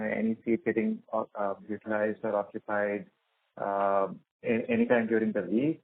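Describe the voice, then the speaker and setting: A man with a husky voice, asking questions as a financial analyst on a conference call. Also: fairly low pitch, no room sound. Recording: dry narrow phone line.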